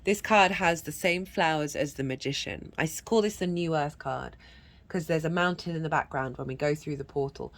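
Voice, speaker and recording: Congested from a cold, this woman speaks in a low voice at an ordinary speed as she gives a channelled tarot reading. Her delivery wanders earnestly, full of restarts and bursts of chanting.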